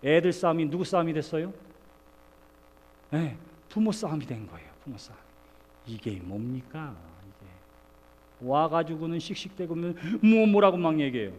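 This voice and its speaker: A middle-aged male pastor preaching an earnest sermon, moving between soft, confiding lines and loud exclamations. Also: fairly high pitch, expressive, normal speed. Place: church sanctuary. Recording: long church reverb.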